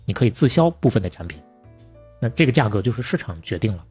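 A man with a Beijing accent and a husky voice narrates like a podcast host chatting with a friend. His pitch swings in an animated way, and his delivery is colloquial and folksy. Faint music plays behind him. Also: fast. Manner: colloquial and folksy, with proverbs and acted-out asides. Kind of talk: lively conversational storytelling.

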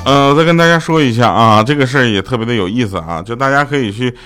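A man's voice: fast, a bit bright, soft background music. A man, hosting a comic podcast and telling jokes, acting out the people in his stories. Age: 30s. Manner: joking, acts out quoted relatives with jumps in pitch. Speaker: podcast host. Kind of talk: comic storytelling monologue.

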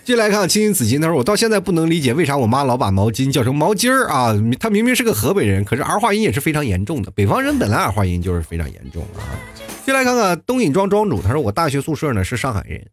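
A man hosting a comedic talk show, reading listener messages and riffing on dialects in a chatty, quick style with frequent tag questions. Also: a little high, soft background music. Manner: chatty, fast, animated, frequent "是吧" tags and chuckles.

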